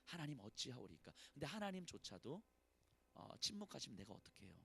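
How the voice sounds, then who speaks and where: A male pastor preaching at a church service, swinging between loud pleading and hushed, sorrowful lament, often speaking prayers of complaint in the first person. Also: mid-range voice, big pitch swings, fairly quick, vocal fry, husky. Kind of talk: sermon.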